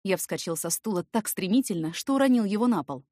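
A woman's voice: medium pitch, animated, a little fast, a little mellow, dry recording. Woman narrating an audiobook, very dry sound. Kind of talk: expressive scripted first-person story narration.

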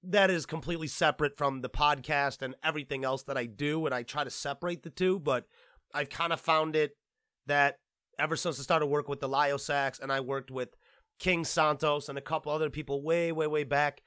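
A man hosting a podcast, talking in a casual, rambling and excitable way, tripping over his words and swearing now and then. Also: fairly high pitch, brisk, clear, resonant tone, no room sound, studio quality. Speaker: podcast host and producer.

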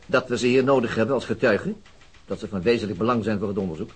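Dry, musing police detective, husky and low. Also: male voice, fast talker. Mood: musing, probing. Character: Martin Beck, probing, dry male police detective. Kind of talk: Dutch radio crime drama acting.

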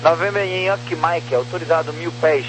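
A man's voice: fairly high pitch, normal speed. A man working as an air traffic controller, giving clipped, procedural instructions over aviation radio. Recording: humming, noisy aviation radio.

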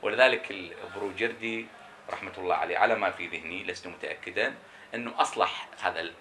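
A man's voice: low-pitched, sharp tone, a little hiss or hum. A man teaching a seminary lecture on jurisprudence, explaining emphatically and answering his own questions. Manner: repeats key terms slowly for emphasis.

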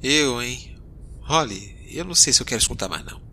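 An actor playing a jumpy space explorer who reacts with comic, expressive alarm. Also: male voice, medium pitch, brisk, a little hiss or hum. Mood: spooked.

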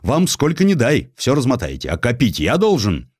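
Guy doing a grumbly bullying police boss in an audiobook, feels sorry for himself, lively and dry. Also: mid-range voice, moderate pace, husky, no echo. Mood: grumbling. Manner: grumbling, blustering. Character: self-pitying, grasping, bullying male police chief.

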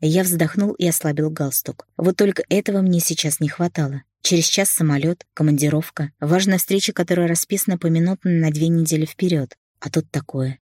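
A woman narrating an audiobook in a steady, expressive storytelling manner. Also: low-pitched, a little fast, few pauses, dry recording, studio quality.

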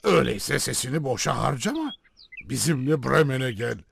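A man voicing a fatherly donkey who leads an animal band, with a gravelly voice and a hearty, commanding manner, in a fairy-tale cartoon. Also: mid-range voice, sing-song, normal speed, slight background noise. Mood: encouraging.

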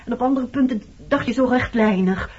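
Husky, wounded woman, muffled recording. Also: fairly high pitch, fairly quick, darkish tone. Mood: accusing. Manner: hurt, accusing. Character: wounded, resentful woman confronting her former lover. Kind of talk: Dutch radio play acting. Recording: muffled old radio recording.

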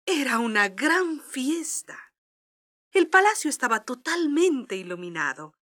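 Woman storyteller reading a kids fairy tale, high bright voice, takes her time. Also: big pitch swings, a little slow. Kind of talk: scripted children's story narration.

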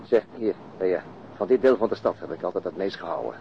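Actor as a low-voiced, pensive police detective. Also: male voice, fairly quick, natural voice. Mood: wistful. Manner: understated, conversational, hesitant. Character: pensive, plain-spoken police detective, mildly wistful. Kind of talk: naturalistic radio drama dialogue. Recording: muffled radio drama recording, clear background noise.

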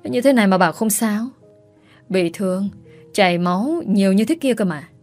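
A woman's voice: mid-range voice, expressive, moderate pace, a little mellow, faint music behind, natural voice. Woman doing a scheming fussy rich mother. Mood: fussing. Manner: fussing, wailing, bossy. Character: scheming wealthy middle-aged mother pushing her daughter.

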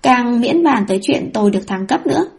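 A woman's voice: fairly high pitch, animated, fairly quick, vocal fry, a little mellow, breathy edge, heavily acted. A woman voicing a fussy male system spirit that nags the heroine about her mission, in an audiobook reading. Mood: nagging. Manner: nagging, pleading.

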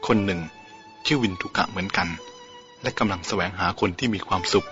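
A man narrating a novel aloud in a measured, steady storytelling manner. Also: sits low. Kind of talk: audiobook novel reading. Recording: dull lo-fi with faint music.

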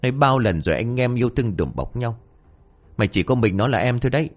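A man's voice: medium pitch, lively intonation, fast talker, voice pushed up, close to an everyday voice. A man voicing a frantic middle-aged village mother who scolds her son and stammers in alarm. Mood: scolding.

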